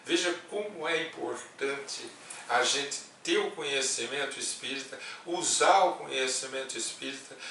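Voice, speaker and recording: A man telling a story as a Spiritist speaker, earnest and gentle, slowing down on key words. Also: mid-range voice, creaky, a little hiss or hum. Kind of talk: reflective storytelling talk. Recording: echoey room, voice from a distance.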